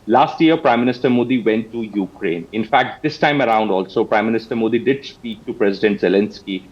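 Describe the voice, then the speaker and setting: A man with an Indian accent giving live news analysis as a correspondent, with a halting, repetitive delivery. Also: fairly low pitch, husky, highs cut off.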